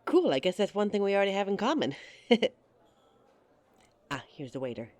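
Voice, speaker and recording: A woman's voice: mid-range voice, sing-song, normal speed, a little mellow, natural voice. A woman playing a giggly, teasing date. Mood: friendly. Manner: teasing and giggly, laughs often. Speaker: voice actress in an audio roleplay. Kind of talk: audio roleplay addressing the listener as a date.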